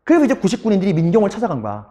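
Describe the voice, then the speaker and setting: A man's voice: sits high, huge pitch swings, racing, mellow. A male middle school history teacher giving an online lecture, telling the story animatedly and talking straight to his students.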